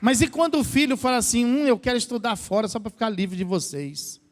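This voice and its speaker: A man's voice: very high voice, a little fast. A Brazilian man, a pastor, preaching a sermon to his church, asking the congregation questions and acting out what people say. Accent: Brazilian Portuguese. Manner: asks the congregation questions, acts out quoted voices. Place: church hall. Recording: long church reverb.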